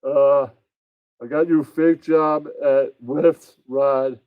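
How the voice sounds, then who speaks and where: A man's voice: a little high, fairly even intonation, slow pace, smooth, no echo, narrow, tinny audio. Man playing a smug rambling puppet mob boss. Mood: bossy. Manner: rambling, self-satisfied catchphrases. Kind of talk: improvised amateur puppet comedy.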